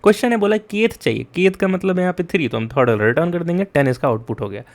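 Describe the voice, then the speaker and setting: A man's voice: a little high, expressive, quick pace. Chatty young man teaching coding. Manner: mixes Hindi and English, chatty with frequent "yaar" and "theek hai?"; addresses students directly and urges them to take notes. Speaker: coding tutor. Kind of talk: casual explained lesson.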